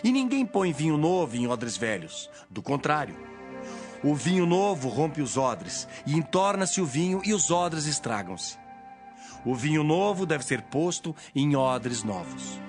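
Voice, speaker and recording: Guy playing a solemn bible teacher, calm authority, declaiming, clear music underneath, really varied intonation. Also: on the high side, a little slow. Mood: solemn teaching. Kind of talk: dramatized audio Bible acting.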